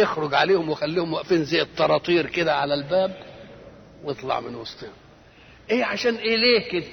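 A man's voice: high-pitched, vocal fry, husky, in a large hall, highs cut off. An older man with an Egyptian Arabic accent giving a Quran commentary lecture, who keeps asking rhetorical questions and answering them himself. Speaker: religious scholar.

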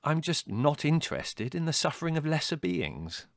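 A man's voice: medium pitch, big pitch swings, moderate pace, dry recording, clean studio sound, pitched above the performer's own voice, natural voice. A man voicing an irascible young older brother in an audiobook, biting, sarcastic and theatrically indignant. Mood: withering. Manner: biting, withering, exaggerated indignation. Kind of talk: audiobook character dialogue.

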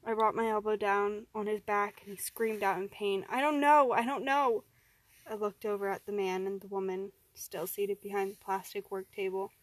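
A woman narrating a first-person horror story, steady and even, rising in tense moments. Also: mid-range voice, moderate pace, few pauses, no room sound.

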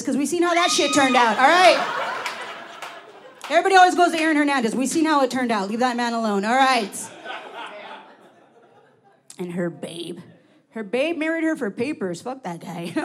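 A woman's voice: high-pitched, noisy background. A woman doing a brash, profane stand-up set into a handheld mic. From Los Angeles. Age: 40s. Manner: brash, profane, loud punchlines. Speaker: stand-up comic.

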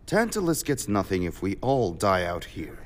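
A practical spaceship captain in a sci-fi audio drama. His mid-pitched voice moves animatedly, blunt and pressing, in a reverberant hall. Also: sing-song, normal speed, a crowd in the background. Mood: urgent, blunt. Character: practical, urgent male freighter-fleet captain seeking a way out. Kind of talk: science fiction audio drama acting. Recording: long echo of a hall.

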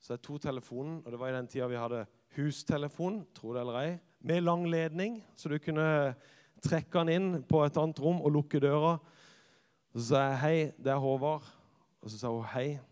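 A man, a church youth leader telling a personal story in a sermon, swinging from lively to hushed. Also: a little high, clean tone. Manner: lively storyteller who acts out quotes and drops to hushed tones. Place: church hall. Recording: long reverb of a church hall.

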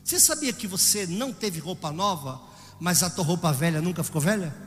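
A man preaching a sermon with a Brazilian Portuguese accent, swinging from loud exclamations to hushed storytelling. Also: high voice, animated, a little fast, in a large hall, soft background music.

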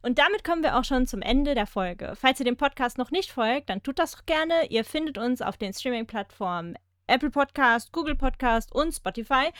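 A woman's voice: on the high side, no room sound, clean studio sound. A woman hosting a podcast, putting questions to a guest in a conversational way. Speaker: podcast host. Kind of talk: conversational interviewing.

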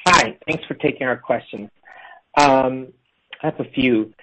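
A man's voice: mid-range voice, a little slow, a bit bright. A man working as a financial analyst, politely putting probing questions on an earnings call, with some hesitation. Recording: noisy phone-in call with clicks.

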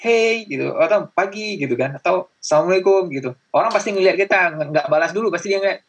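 A young man talking in a relaxed conversational way, with lots of fillers, acting out the greetings he describes. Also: on the high side, rapid-fire, creaky, husky. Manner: chatty, many fillers, acts out greetings. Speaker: guest. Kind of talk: casual chat.

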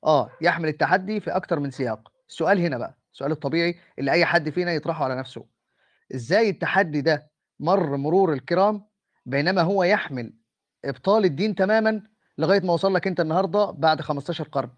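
Fast soft-spoken Egyptian man debating. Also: fairly high pitch, no room sound. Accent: Egyptian Arabic. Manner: measured, calls for patience, speaks softly. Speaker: Muslim debater. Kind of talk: online debate in a voice chat room.

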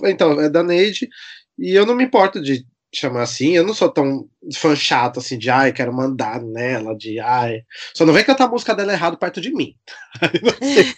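Chatty São Paulo man, higher-pitched voice. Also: fairly bright tone. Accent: São Paulo Brazilian Portuguese. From São Paulo, Brazil. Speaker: podcast guest. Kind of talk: casual conversational storytelling.

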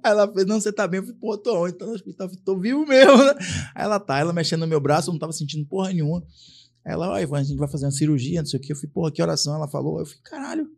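A fast-talking man from Brazil, guest on a relaxed podcast. He tells stories with a lot of energy, acts out other people's lines and curses often. His voice sits a little high for a man. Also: vocal fry, breathy edge. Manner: animated storyteller acting out dialogue, swears freely. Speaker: guest, police sergeant. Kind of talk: casual podcast chat, storytelling.

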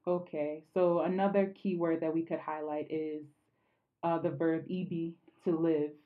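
A woman's voice: low voice, flat delivery, measured pace, phone-quality sound. A woman learning Igbo in a casual lesson, asking questions and carefully repeating phrases back. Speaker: language learner.

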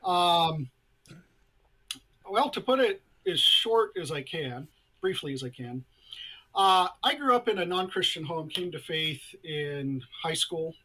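A man speaking as a scholarly interview guest, his voice a little higher than most. He answers in a measured, thoughtful way, pausing with small hesitations. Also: bright, forceful tone, slight background noise, rough recording.

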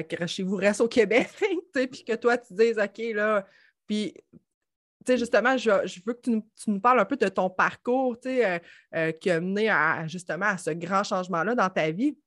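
A woman's voice: medium pitch, a bit bright, no room sound. Quebecoise woman hosting a podcast, gushing and upbeat, dry close sound. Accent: Quebec French. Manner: effusive, enthusiastic. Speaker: podcast host. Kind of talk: casual podcast interview.

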